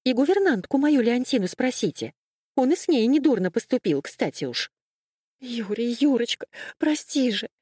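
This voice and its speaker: A woman voicing a scared, tearful young woman who pleads in a high, whimpering voice. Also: very animated, a little fast, dark tone, husky, no echo, studio quality, exaggerated voice. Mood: pleading.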